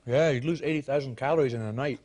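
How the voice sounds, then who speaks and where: A man's voice: mid-range voice, quick pace, darkish tone. A man in a comedy sketch, teasing and incredulous. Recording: noisy.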